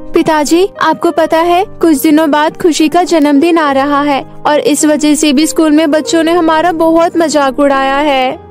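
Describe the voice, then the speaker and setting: A woman's voice: sits high, fairly even intonation, measured pace, hardly any pauses, darkish tone, faint music behind, voice pushed up. A woman voicing an earnest, polite schoolgirl, the elder sister of a poor family, in a cartoon story. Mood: plaintive. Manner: polite, plaintive. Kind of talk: cartoon story character acting.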